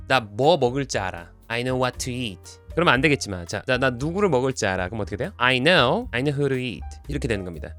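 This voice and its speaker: A man teaching an English lesson online, with a pitch that swings up and down as he explains. He keeps quizzing the viewer and slows right down for each example sentence. Faint music plays softly behind him.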